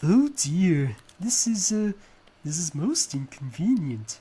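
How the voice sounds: This is a put-on character voice at a middle pitch with very wide pitch swings. It moves at a fairly slow pace.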